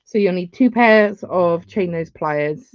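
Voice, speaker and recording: A woman's voice: on the low side, slow, lo-fi sound. A woman, giving a chatty live beading tutorial with rambling asides. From England.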